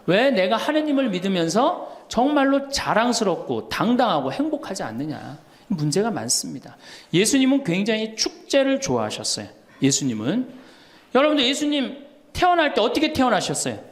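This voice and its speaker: An older male priest in his sixties preaches to an audience with a high, bright voice. His pitch swings widely as he tells funny stories, laughing along and acting out the people in them. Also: moderate pace. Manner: storytelling with laughter and lively quoted dialogue. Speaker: Catholic priest. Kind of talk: humorous sermon lecture.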